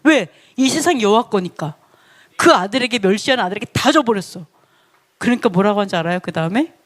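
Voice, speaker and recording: A woman giving a lively, playful Bible lesson who laughs often and keeps asking her listeners questions. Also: mid-range voice, brisk. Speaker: Bible teacher.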